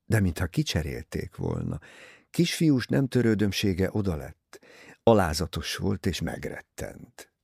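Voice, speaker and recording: A man narrating an audiobook in an expressive, dramatic reading. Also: low voice, creaky, slightly rough, no room sound, clean studio sound. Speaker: audiobook reader. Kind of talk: scripted narration.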